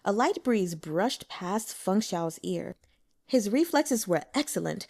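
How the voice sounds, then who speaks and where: A woman reading scripted fiction aloud as an expressive audiobook narrator. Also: mid-range voice.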